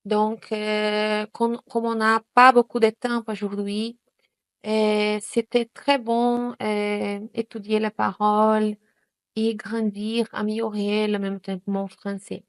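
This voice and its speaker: A Brazilian woman, a native Portuguese speaker, gives a hesitant testimonial in French, with many pauses and fillers. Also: medium pitch, level tone, smooth, no room sound. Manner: hesitant, many fillers and restarts in a second language. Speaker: student giving a testimonial. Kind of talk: spontaneous testimonial.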